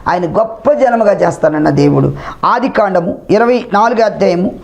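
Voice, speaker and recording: High-voiced male pastor preaching. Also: normal speed, creaky. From India. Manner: preaching with repeated hallelujahs and amens; echoes the scripture reader's words back. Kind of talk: Telugu sermon with Bible readings.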